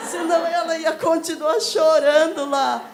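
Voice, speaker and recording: A woman with a high voice leads a children's ministry training, speaking slowly and deliberately. She tells stories with lively acted-out voices and has her group repeat lines after her. A faint hum of room noise sits behind her. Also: a crowd in the background. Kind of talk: teaching a church training session.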